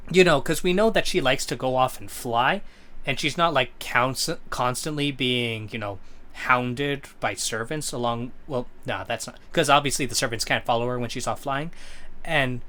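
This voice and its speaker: A man co-hosting a podcast, recapping scenes in a relaxed, casual way and correcting himself as he goes. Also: medium pitch. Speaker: podcast co-host. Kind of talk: casual chat.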